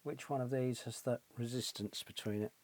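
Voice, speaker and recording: A man's voice: mid-range voice, fairly even intonation, moderate pace, a little mellow, slight background noise. A middle-aged British man giving casual hands-on repair commentary, thinking aloud and often tagging questions onto his remarks. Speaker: repair channel host, electronics technician. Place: small cluttered indoor electronics workshop.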